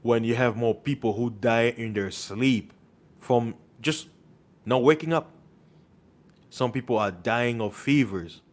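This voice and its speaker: An online preacher delivers an impassioned monologue in a mid-range voice at a measured pace. He's insistent, fires off rhetorical questions and repeats words for emphasis.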